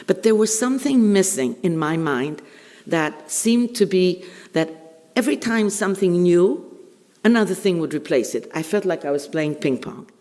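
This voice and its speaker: An older Israeli woman, born in Bulgaria with Ladino as her first language, tells humorous personal stories to an audience in a reverberant hall. A public speaker and veteran journalist, she is theatrical and wry, with deliberate pauses, and her voice is on the low side, animated and darkish.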